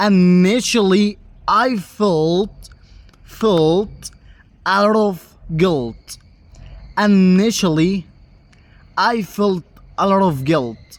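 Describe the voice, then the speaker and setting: Very slow delivery with long, frequent pauses. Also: man. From Egypt. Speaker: English teacher. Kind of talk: language lesson explanation. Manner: casual, friendly.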